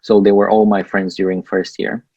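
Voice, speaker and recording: A young Bulgarian PhD student, guesting on a casual interview, offers earnest advice in accented second-language English. His lowish voice is gravelly and husky at a moderate pace, captured in a dry, lo-fi recording, and he stays relaxed, laughing between points.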